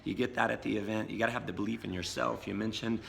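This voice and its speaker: A hoarse American man with a gravelly, strained voice and a bright, forceful edge. He talks in an upbeat, casual way, with many fillers. His voice carries a long reverb from a hotel lobby, with faint noise underneath. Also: on the low side, little pitch movement, quick pace. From United States. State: hoarse, has lost his voice. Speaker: host and network marketing coach. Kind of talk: casual video blog interview.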